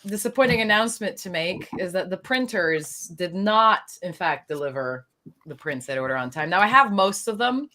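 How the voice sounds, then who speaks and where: Low-voiced woman. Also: animated, normal speed, sharp tone, a little hiss or hum. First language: Slovenian. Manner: chatty and self-deprecating, with fillers and restarts. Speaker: voice actor on a fan Q&A panel. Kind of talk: casual panel chat.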